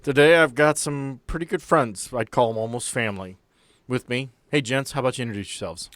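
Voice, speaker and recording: Guy running a tabletop podcast, bantering, average pitch, close dry mic. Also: a little fast, a bit bright, no echo. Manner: informal, bantering. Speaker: game master and podcast host. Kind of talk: casual group chat and introductions.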